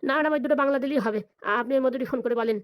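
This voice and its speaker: A woman acting a fast-talking, wheedling Bengali village lackey. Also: sits high, fairly even intonation, dry recording, lightly acted. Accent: rural Bengali. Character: wheedling, flattering village lackey, comic and shifty. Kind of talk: comic cartoon voice acting, colloquial dialect.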